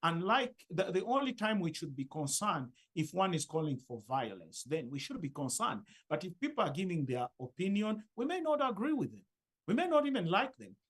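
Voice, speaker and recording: A man's voice: high voice, big pitch swings, brisk, fairly bright tone, slightly rough. A man speaking emphatically and persuasively as a panelist in a discussion.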